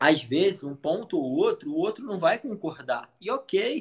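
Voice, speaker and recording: A man talks fairly slowly, his pitch rising and falling across a very wide range. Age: 20s. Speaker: actor. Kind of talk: casual chat. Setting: livestreamed podcast.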